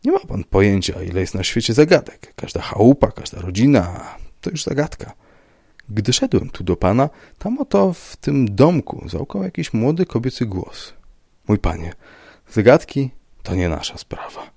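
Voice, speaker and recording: A man voicing a gruff police commissioner who speaks in a dry, curt, dismissive way. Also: mid-range voice, very animated, moderate pace, warm tone, dry recording, voice pushed up, full character voice. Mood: matter-of-fact. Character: gruff, unbothered middle-aged police commissioner.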